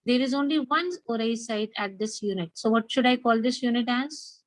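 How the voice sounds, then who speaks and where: A woman's voice: fairly high pitch, normal speed, dry recording. A woman with a South Asian accent teaching a biology class, repeating key points and prompting students with questions. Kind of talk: interactive lecture with questions to students.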